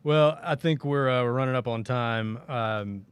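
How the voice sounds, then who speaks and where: Sarcastic podcast host, dry sound. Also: male voice, mid-range voice, a little slow, clear, resonant tone, no echo. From Northeast Arkansas. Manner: sarcastic, rambling storyteller. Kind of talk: casual podcast chat.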